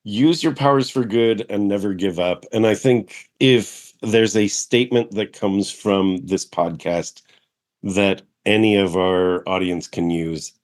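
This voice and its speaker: A man's voice: lowish voice, measured pace. A middle-aged man hosting a podcast interview, enthusiastic and encouraging, echoing his guest's points with affirmations. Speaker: podcast host. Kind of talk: casual interview conversation.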